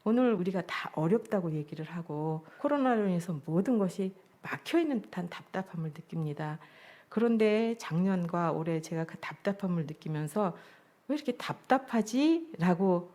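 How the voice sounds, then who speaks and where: Warm low-voiced woman preaching a sermon. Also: normal speed. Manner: earnest, reflective, shares personal testimony. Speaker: junior pastor preaching. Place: church service.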